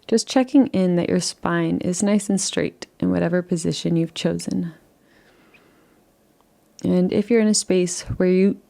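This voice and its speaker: A woman guides a relaxation session in a low, gravelly voice with a mellow, warm tone. She speaks softly and unhurriedly, with long pauses, and gently invites the listener rather than instructing. The effect is calm and reassuring. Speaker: meditation guide.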